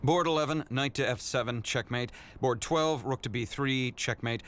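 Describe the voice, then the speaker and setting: A man's voice: medium pitch, normal speed, fairly bright tone, natural voice. A man voicing an arrogant, aloof genius scientist in a motion comic, smug, precise and condescending. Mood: brisk, smug.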